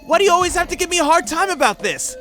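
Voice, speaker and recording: A man's voice: extremely high pitch, very animated, racing, bright, forceful tone, faint music behind, heavily acted. A man playing a cocky, boastful young gorilla who is full of himself, in an audio drama. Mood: annoyed, defensive. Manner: boastful, self-important. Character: cocky, boastful young male gorilla, would-be island ruler. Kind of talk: audio drama character acting.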